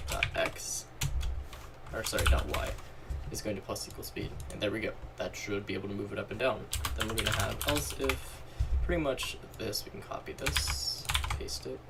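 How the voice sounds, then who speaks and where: In this screen-recorded coding tutorial, the male host speaks at a moderate pace in a fairly low voice that's slightly worn out. He chats casually, reasoning out loud and fixing his own slips while typing, and the audio is very noisy: the mic sits far off, swamped by loud typing and clicking.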